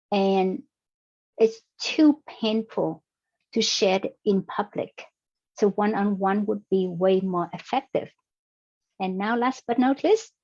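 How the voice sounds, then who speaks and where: Slow-spoken woman. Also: mid-range voice, a little mellow. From Vietnam. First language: Vietnamese. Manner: slow and careful, explaining step by step. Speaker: EFT practitioner. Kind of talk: online workshop presentation. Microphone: video call. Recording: dull lo-fi video call audio.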